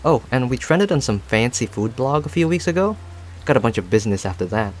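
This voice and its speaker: A man playing a friendly, talkative cafe owner in a roleplay audio, speaking to the listener in a chatty, rambling, gently attentive way. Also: medium pitch, expressive, a little fast, slight background noise, close to an everyday voice. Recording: soft music and rain behind. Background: music and rain sounds.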